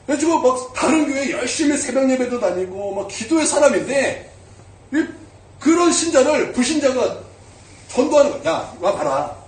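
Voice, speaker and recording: Pastor guy telling a story in his sermon, acts out the voices, high lively voice, echoey church from a distance. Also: normal speed. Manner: storytelling, acting out quoted voices; asks the congregation questions. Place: church sanctuary.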